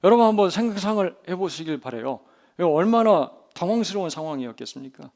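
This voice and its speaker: Animated male pastor preaching a sermon. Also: high-pitched, fast talker, creaky. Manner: vivid storytelling, asks the congregation questions, big swings in loudness. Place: church sanctuary during a service.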